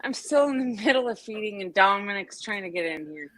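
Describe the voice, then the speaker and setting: A woman's voice: mid-range voice, expressive, brisk, over a noisy crowd, poor audio. A woman chatting on a live stream from her barn, speaking frankly, laughing and swearing casually. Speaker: stream guest.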